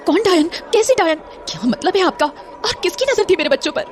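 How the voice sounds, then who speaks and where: A woman's voice: very high-pitched, animated, fairly quick. An actress playing an anxious, protective mother in a horror audio drama, emotional and alarmed. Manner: alarmed, emotional, switches into English phrases. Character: anxious, stern, protective mother of two boys. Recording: dramatic music behind.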